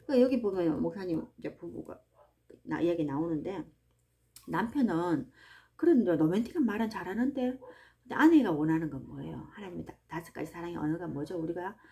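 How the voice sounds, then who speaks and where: A woman chats about faith and home life, keeping a mellow, warm tone. Her voice rises and falls a great deal as she tosses asides to her listeners. The talk is loose and devotional rather than a formal sermon. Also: on the low side. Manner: chatty and animated, with asides to listeners. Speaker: host of a book-reading channel. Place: small farm hut.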